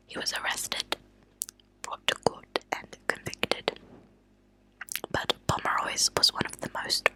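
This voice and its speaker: A woman whispering in a breathy, unvoiced voice, reading aloud in ASMR style with deliberate phrasing. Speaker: ASMR channel host. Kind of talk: whispered ASMR reading of a true-crime book. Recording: lo-fi whispered home recording.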